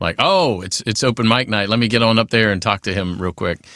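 Speaking at a very fast pace with an American accent, a man has a bright, sharp tone and ordinary pitch variation, captured on a very clean, dry, close recording with no echo and a silent background. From Louisiana, US South. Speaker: voice actor. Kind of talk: casual interview chat.

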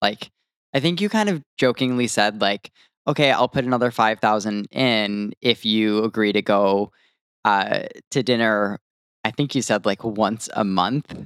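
An ordinary speaking voice goes at a fairly slow pace with fairly even intonation and very even loudness, recorded dry and close with no echo on a very clean, silent background. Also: man, fairly low pitch for a man. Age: 30s. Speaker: angel investor and business owner. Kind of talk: casual chat.

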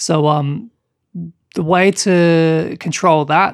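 On a very clean recording with a silent background and a dry, close sound with no echo, a man uses a normal speaking voice, fairly high in pitch, with ordinary pitch variation. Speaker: podcast producer. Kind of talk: casual chat.

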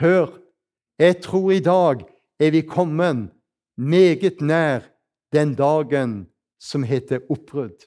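Against a very clean recording with a silent background, a man with a southern Norwegian accent speaks at a very slow pace with long, frequent pauses, his fairly high voice carrying a dark, mellow tone and ordinary pitch variation. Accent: southern Norwegian, guttural r. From southern Norway. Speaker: travelling preacher. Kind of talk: sermon.

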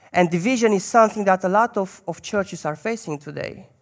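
Recorded very cleanly against a silent background, a man talks at a moderate pace in a Romanian accent. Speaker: lay preacher. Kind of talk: sermon. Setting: church service. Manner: halting, many fillers.

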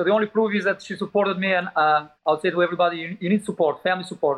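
High-pitched male speech with ordinary variation in pitch. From Albania, raised in Italy (Bari area). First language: Albanian. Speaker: pizzeria owner. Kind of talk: interview. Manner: frequent 'you know' filler.

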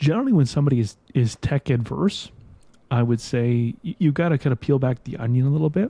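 Speaking at a very fast pace, a man with a fairly high pitch and a dark, mellow tone sounds somewhat breathy, with ordinary pitch variation and a dry, close sound free of echo. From Saskatchewan, Canada. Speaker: business executive and keynote speaker. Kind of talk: interview. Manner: halting, many repetitions and fillers.

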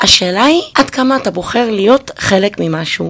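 Speaking fairly slowly, a woman uses a medium pitch. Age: 40s. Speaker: high school history teacher. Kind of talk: panel interview. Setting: studio.

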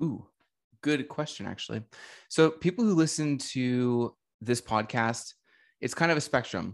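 Against a quiet background, a man uses an ordinary speaking voice with lively intonation at a moderate pace. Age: 30s. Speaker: podcast host. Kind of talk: interview conversation.

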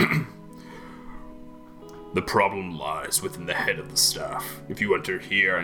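Loud and booming, a man uses a put-on character voice at a very slow pace while clear music plays in the background.

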